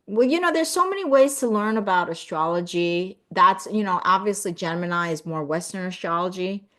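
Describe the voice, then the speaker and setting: A woman's voice: lowish voice, normal speed. Earnest middle-aged woman live streaming. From born in South Korea, raised in the US. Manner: warm, earnest, with many "you know" and "right?" fillers; lively when thanking viewers. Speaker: live stream host reading viewer comments. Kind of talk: casual live-stream chat about spirituality.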